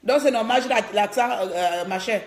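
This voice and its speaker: A woman's voice: a little high, fairly quick. A woman from Gabon with a Cameroonian French accent, speaking as an online commentator in an indignant livestreamed rant, often repeating a word while she hunts for the next. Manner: indignant, repeats words while searching for them. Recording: roomy echo.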